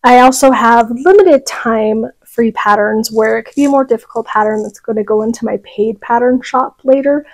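A middle-aged woman chats casually as a tutorial host, her mouth numb from the dentist. Her voice sits a little high and has a husky edge, and she forms words carefully around the heavy, numb side of her face. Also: moderate pace, few pauses, rough recording. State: half of face numb from dental filling. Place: small furnished room at home.

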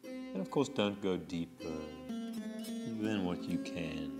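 Middle-aged male yoga teacher, unhurried and soothing; lapel mic in a reverberant studio. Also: low voice, big pitch swings, over loud music. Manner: slow, soothing cues timed to the breath. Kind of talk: guided yoga class instruction. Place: indoor yoga studio with bare walls. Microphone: small clip-on lapel mic.

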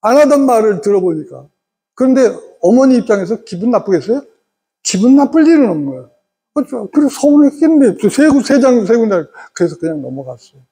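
A middle-aged man lecturing parents in an animated way and having the audience repeat phrases after him. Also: very high voice, a little fast, husky.

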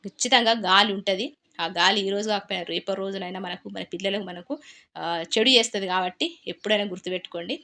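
A woman's voice: medium pitch, brisk, sharp tone. A woman with a Telangana Telugu accent, chatting casually as a cooking vlogger and telling a story while she cooks, often repeating her phrases.

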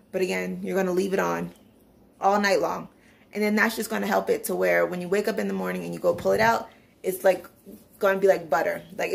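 Chatty young woman with gravelly fry. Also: medium pitch. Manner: chatty, explains step by step to viewers. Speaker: vlogger. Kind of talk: casual cooking vlog explanation. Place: home kitchen at night.

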